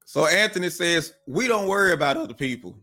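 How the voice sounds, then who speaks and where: A man with a fairly high voice co-hosts a relaxed talk show. He reads out comments in a conversational tone and pushes people to answer his questions. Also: fairly quick. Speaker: podcast co-host. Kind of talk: casual chat, reading viewer comments.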